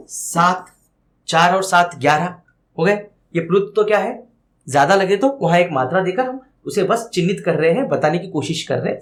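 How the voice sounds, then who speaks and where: Man, Hindi grammar teacher, fairly high voice, asks and answers himself, stretches out vowels. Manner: asks questions and answers them himself, repeats key words; stretches out vowels when demonstrating sounds. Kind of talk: classroom-style grammar lesson.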